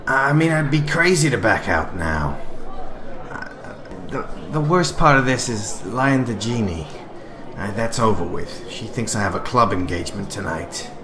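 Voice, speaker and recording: A man's voice: fairly low pitch, animated, a little slow, noisy background. An actor playing a meek, nervous, stammering man in a radio drama. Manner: hesitant, stammering.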